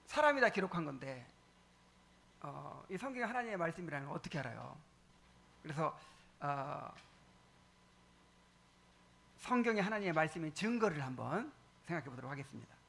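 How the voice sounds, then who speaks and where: A male pastor teaching a catechism sermon, asking the congregation questions, repeating key points for emphasis, with frequent pauses and fillers. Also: on the high side, very animated, vocal fry, fairly bright tone.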